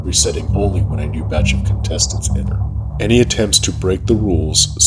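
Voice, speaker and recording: A man reading scripted horror fiction in a measured, formal ASMR narration style. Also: low voice. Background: music.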